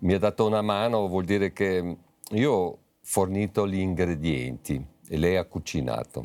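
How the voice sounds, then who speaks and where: A man speaks with a very deep, low pitch and lively intonation. His loudness stays very even. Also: moderate pace. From Austria (Vienna). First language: German (speaking Italian). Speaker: traveller and documentary maker. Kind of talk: TV interview.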